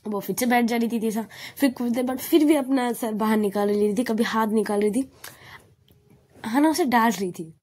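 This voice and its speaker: Brief: chatty woman storyteller, rambling delivery, husky tone. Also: a little high, moderate pace, darkish tone. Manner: chatty, rambling, frequent restarts. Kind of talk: casual spoken storytelling.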